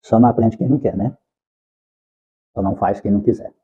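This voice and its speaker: A man lecturing at a spiritist center in an animated, rhetorical way, later leading a prayer, in a dull lo-fi recording. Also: on the low side, fairly quick, slightly rough. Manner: animated, rhetorical questions, acts out quotes.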